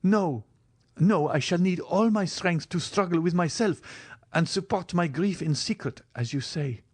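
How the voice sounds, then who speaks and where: A man's voice: high-pitched, a little slow, darkish tone, breathy edge. A man reading a novel aloud, voicing a desperate young woman who pleads and cries out. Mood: grieving.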